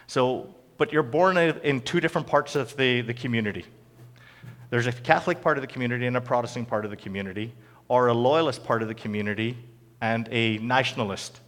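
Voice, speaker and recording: Northern Irish man giving a halting testimony. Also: mid-range voice, fairly bright tone, in a large hall. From Northern Ireland. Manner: conversational, halting, with frequent ums and restarts. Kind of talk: personal testimony to a church audience.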